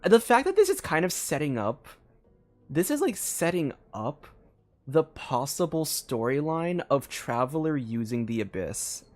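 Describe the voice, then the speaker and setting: A man's voice: on the high side, very animated, unhurried, faint music behind. Casual young male game streamer, thinking aloud. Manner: rambling, thinking aloud, filler-heavy. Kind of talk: casual live commentary on a game.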